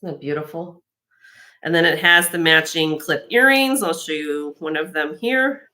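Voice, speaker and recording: A woman with a slightly raspy, lowish voice hosts a live jewelry sale. She talks in a casual, chatty way and admires each piece as she shows it, often restarting her sentences. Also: normal speed, pushed and bright. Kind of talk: casual show-and-tell product presentation.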